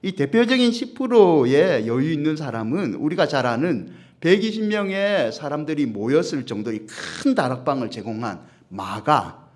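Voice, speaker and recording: A man's voice: a little high, very animated, normal speed. A man with a Gyeongsang accent preaching a sermon as senior pastor, humorous, often asking the congregation questions. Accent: Gyeongsang Korean. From Gyeongsang region, Korea. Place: church service.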